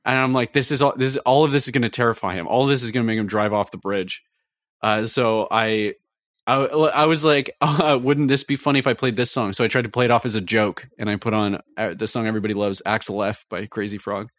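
A man co-hosting a comedy podcast, telling a story in a dry, wry manner that trails off quietly. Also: fairly low pitch, fairly even intonation, fast talker, no echo. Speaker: podcast co-host.

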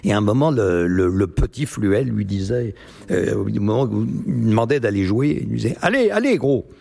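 Brief: male host, gravelly voice, halting and full of fillers, relaxed chat. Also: fairly low pitch. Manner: hesitant, many fillers. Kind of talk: casual chat about word games. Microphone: GoPro camera.

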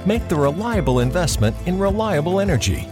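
Male announcer for scripted advert. Animated, slightly high pitch over a music bed. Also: a little fast. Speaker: commercial announcer.

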